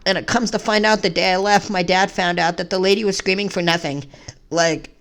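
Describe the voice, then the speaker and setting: A man's voice: high voice, fairly even intonation, a little fast, gravelly, a bit bright. A trans man in his twenties, telling a long story casually to the camera in a chatty, rambling way. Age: 20s. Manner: rambling, chatty, says "y'all". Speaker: vlogger.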